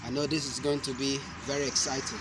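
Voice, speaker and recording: A young man demonstrating self-defense moves, explaining each step slowly and deliberately, with sharp shouted cries on the strikes. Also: mid-range voice, little pitch movement. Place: outdoor concrete court. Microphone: camera mic at a distance. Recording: outdoor noise from a camera mic.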